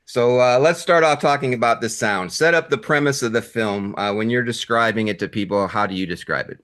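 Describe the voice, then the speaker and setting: A man hosting a conversational film interview, with slightly halting phrasing. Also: mid-range voice, fairly bright tone. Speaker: interviewer, show host.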